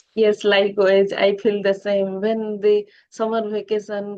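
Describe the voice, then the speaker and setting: Speaking with an Odia accent, a woman uses a fairly high pitch and flat, monotone intonation. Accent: Odia-accented Indian English. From India, Odisha. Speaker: English learner, homemaker. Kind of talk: casual conversation practice chat. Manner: halting, hesitant.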